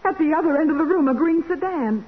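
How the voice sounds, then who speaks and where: Anxious radio sidekick, tinny sound. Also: female voice, high voice, animated, fast talker. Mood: amazed. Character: anxious, curious young female detective's assistant. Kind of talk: 1940s radio crime drama acting. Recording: thin, noisy 1940s radio recording.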